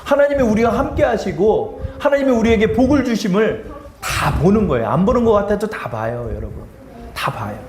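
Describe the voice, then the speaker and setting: Animated male pastor preaching in an echoey church. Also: high voice, a little fast. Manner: animated preaching, asks and answers his own questions; acts out quoted speech in a casual tone. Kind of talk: sermon. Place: church sanctuary.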